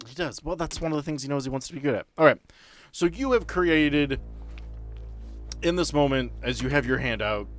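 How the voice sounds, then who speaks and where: A man's voice: on the high side, animated, brisk. A man narrating a tabletop game as game master, explaining things in a conversational, improvised way. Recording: music behind the voice.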